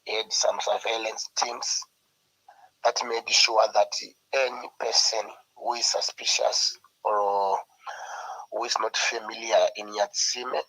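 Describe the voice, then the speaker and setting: A man from Zimbabwe, hoarse with a flu, speaking as a journalist on a video call panel. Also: fairly low pitch, a bit bright, rough recording. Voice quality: husky, gravelly. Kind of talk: online panel discussion.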